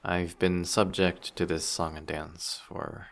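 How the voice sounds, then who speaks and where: Man acting as dangerous merman monster, unhurried, creaky low register, formal, softly threatening, intimate audio drama, faint ambient noise behind. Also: little pitch movement, exaggerated voice. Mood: regretful, menacing. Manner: measured, quietly menacing, formal wording. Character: dangerous, possessive, flirty male sea monster with fish tail.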